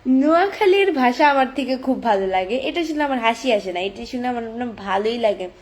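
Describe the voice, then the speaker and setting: A woman's voice: fairly high pitch, lively intonation, fairly quick, a little mellow. Teenage girl chatting on a phone live stream. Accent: Chandpur Bengali. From Bangladesh. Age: teens. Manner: chatty, reads viewer comments aloud and answers them. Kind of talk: casual live-stream chat reading comments.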